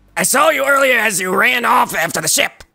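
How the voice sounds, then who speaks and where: Putting on a raspy character voice, a man speaks fairly quickly at an extremely high pitch, his voice raised and projected. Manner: strained, effortful.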